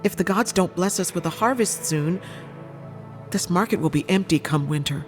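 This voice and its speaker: A woman's voice: on the low side, normal speed, faint music behind, lightly acted. A woman playing a weary but hospitable market trader in a fantasy video game, plainspoken and conversational. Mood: wary, resigned. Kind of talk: video game character acting.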